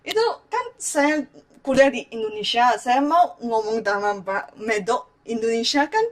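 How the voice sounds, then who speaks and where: A young woman from Malaysia speaks to her channel with a Malaysian accent. She is animated and indignant, shifting between languages. Her voice sits a little higher than most. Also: unhurried. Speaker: YouTuber. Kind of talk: vlog rant.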